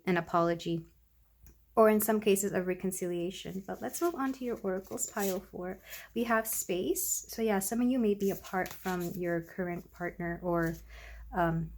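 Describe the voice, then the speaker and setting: A woman with a congested voice, recovering from illness, giving a soft, rambling tarot reading to her viewers. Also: on the low side. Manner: soft, rambling, with many fillers. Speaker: tarot reader. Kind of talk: casual tarot reading to camera.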